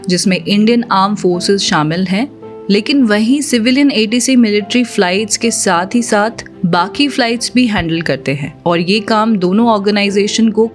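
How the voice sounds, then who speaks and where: A woman reads a scripted explainer in an even, informative manner, slipping English terms into her sentences. Her voice sits at a middling pitch. Faint music plays quietly behind her. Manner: steady informative delivery, mixing English terms into Hindi. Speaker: channel presenter.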